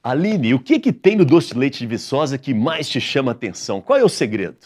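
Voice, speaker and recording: Male TV host, 40s, husky, animated, jokey studio banter. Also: medium pitch, brisk. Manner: jokey, playful, lively. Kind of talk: casual TV talk show.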